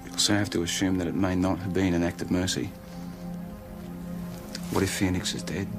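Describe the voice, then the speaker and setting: An actor playing a sarcastic, defensive young police constable in a TV drama. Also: male voice, low voice, little pitch movement, a little fast, over music. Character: sarcastic young male constable under suspicion.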